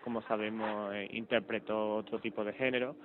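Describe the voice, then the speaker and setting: A man's voice: lowish voice, level tone, a little fast. Man asking questions over a phone line. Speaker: interviewer. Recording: tinny phone line with faint hiss.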